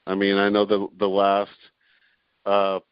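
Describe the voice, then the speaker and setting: A man's voice: fairly low pitch, monotone, a little slow, smooth, no echo, dull audio. A man in his forties, talking earnestly as a podcast guest, with frequent restarts and fillers. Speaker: guest, beep baseball player and league president. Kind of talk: podcast interview, conversational.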